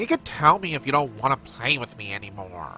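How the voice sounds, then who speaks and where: Putting on a character voice, a man speaks with a medium pitch. He moves at a fairly quick pace. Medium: read story. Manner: passive-aggressive, sulky.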